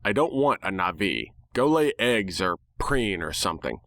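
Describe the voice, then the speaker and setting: A man performs a grumpy talking pony from a storybook tale, stubborn and full of snark. The voice is petulant and whiny, pushed higher than plain narration, in a dry, close recording. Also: big pitch swings, normal speed, fairly bright tone, no echo, full character voice. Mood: dismissive.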